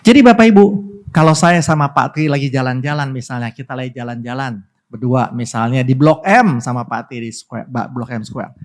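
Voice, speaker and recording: A middle-aged man, preaching a sermon as pastor in a casual, conversational way, acting out little dialogues. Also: mid-range voice.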